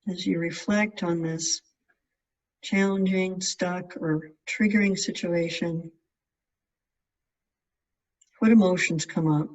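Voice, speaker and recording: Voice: medium pitch, fairly even intonation. Distant, dull-sounding guided meditation voice. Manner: measured, gentle, with spaced-out phrases. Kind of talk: guided meditation, scripted instruction.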